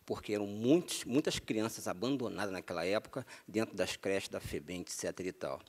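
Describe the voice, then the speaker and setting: A man from Minas Gerais with a low, deep voice gives his testimony in a television interview. He speaks slowly and earnestly. He often circles back and repeats words as he recalls his past. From Minas Gerais, Brazil. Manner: slow, earnest storytelling with frequent repetitions. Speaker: interview guest.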